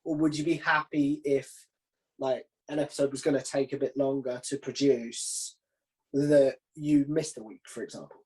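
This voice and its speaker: A man's voice: mid-range voice, fairly even intonation, normal speed, a little mellow, rough recording. Casual male podcast interviewer.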